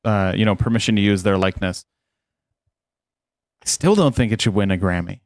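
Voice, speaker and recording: Lowish guy, dry close sound, wry short comments. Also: brisk, a little mellow, dry recording. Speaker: podcast panelist. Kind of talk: casual tech news chat.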